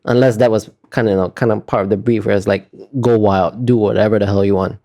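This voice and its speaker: A man's voice: lowish voice, steady tone, fast, mellow. A man giving casual, thoughtful interview answers as an artist, often hesitating as he searches for the right words.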